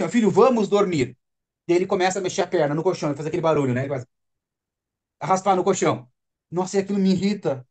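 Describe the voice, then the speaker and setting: Earnest man with a high voice. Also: darkish tone. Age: adult father. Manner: earnest, emphatic, repeats for stress. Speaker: speaker on autism parenting. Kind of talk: live stream talk. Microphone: webcam or phone on a live stream.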